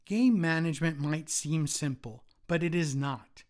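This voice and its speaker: A retired umpire delivers a formal, prepared presentation at a convention, reading it aloud in a measured way. His voice is a little high and a little mellow.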